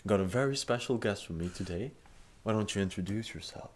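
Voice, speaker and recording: A man's voice: on the low side, fairly quick, darkish tone. A young man hosting an improvised chat, rambling with fillers and restarts and swearing casually. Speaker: host.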